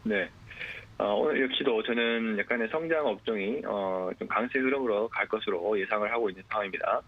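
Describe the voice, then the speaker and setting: A man's voice: on the low side, brisk. A man giving stock market commentary as a guest analyst, speaking hesitantly with frequent filler sounds. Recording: tinny phone-line sound.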